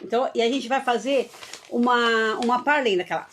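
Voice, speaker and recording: A woman from Brazil, an early childhood educator giving a live online talk, chatty and full of tag questions, growing animated as she leads the audience in games. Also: on the high side, brisk, noisy background.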